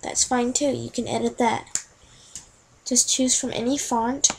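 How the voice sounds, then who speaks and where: A young woman chatting through each click in a casual screen-recorded software tutorial. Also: fairly high pitch, little pitch movement, a little slow, creaky, a little hiss or hum, poor audio. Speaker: tutorial narrator.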